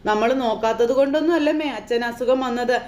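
A woman voicing a calm young woman who answers in a measured, reasoning way. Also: a little high, close to an everyday voice. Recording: roomy echo.

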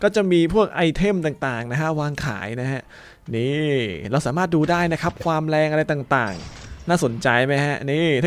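A man playing a mobile shooter and commentating, playful and often breaking into loud, excited yelling during fights. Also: mid-range voice, no echo. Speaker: gaming YouTuber.

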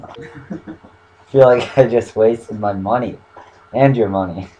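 A young man with a cold and a hoarse voice, hosting casual gaming commentary while opening card packs, swearing and swinging from mumbling to excited shouts. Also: fairly low pitch, slow, slight background noise, low-quality recording. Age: young adult. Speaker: gaming channel host.

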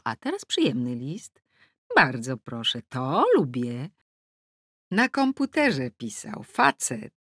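A woman's voice: deep voice, no room sound. Woman narrating a novel, dry and close. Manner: switches between sharp, scornful asides and a calm, measured advice-column tone. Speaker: audiobook narrator. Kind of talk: first-person novel narration with acted letters and asides. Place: recording booth. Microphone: studio microphone.

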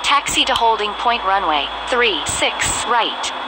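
A woman's voice: fairly high pitch, very animated, measured pace, very noisy. Woman making clipped cockpit radio calls. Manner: clipped, procedural radio phrasing.

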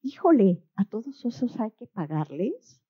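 An eager, scheming schoolboy talks up his money-making idea, as a woman puts him on. The voice is husky and raised in pitch. The recording sounds dull and lo-fi. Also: sing-song, a little slow.

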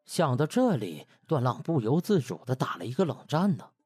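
Highly animated husky male storyteller. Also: moderate pace, no echo. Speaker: audiobook narrator. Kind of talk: dramatic, colloquial storytelling narration.

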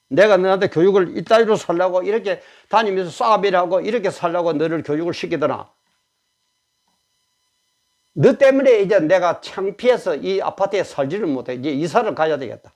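A man voicing a furious middle-aged mother who scolds her son, in a sermon. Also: creaky. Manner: shrill, scolding.

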